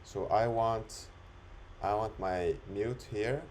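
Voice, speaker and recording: A man talking through an unscripted screen-recorded software demo, explaining it step by step in an instructional way. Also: fairly low pitch, takes it slowly, a little hiss or hum. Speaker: software demonstrator.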